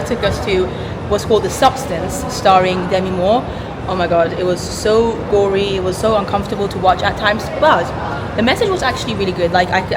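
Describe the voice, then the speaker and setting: A woman chatting casually to camera for her vlog, rambling a little with restarts, out on a busy city street. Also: mid-range voice. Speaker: theatre vlogger. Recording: loud street traffic noise. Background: traffic and city sounds.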